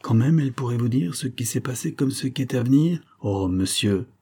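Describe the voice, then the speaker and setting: A man's voice: mid-range voice, normal speed, dark tone, breathy edge, voice pushed up, natural voice. A man voicing a defiant young gypsy woman. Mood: taunting. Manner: menacing prophetic taunting.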